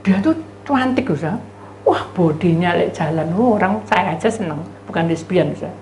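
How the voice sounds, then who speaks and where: A middle-aged woman pastor, telling a chatty, animated story in a sermon and acting out both sides of the dialogue. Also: lowish voice, moderate pace, roomy sound, a little hiss or hum. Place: church.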